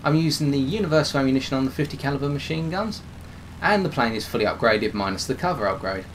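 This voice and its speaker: A man commentating over his own game footage, slightly hoarse as he is losing his voice, explaining tactics with frequent restarts. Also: mid-range voice, animated, fast, a little hiss or hum. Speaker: gameplay commentator.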